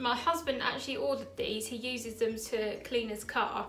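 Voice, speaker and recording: Faint music plays behind a woman who speaks at a moderate pace, with audible room echo. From UK. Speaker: cleaning and makeup YouTuber. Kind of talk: casual talk to camera, product rundown. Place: home room. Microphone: camera far.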